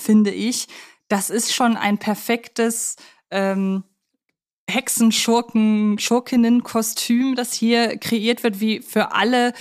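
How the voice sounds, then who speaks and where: A woman co-hosting a podcast in a studio, discussing films casually in an enthusiastic, reflective way. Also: medium pitch.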